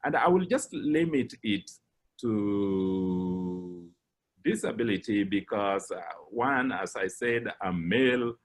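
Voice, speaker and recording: A middle-aged man with a Kenyan English accent, giving a personal account as a guest speaker, measured and pausing with frequent fillers. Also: on the low side, lively intonation. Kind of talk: personal account in a lecture talk.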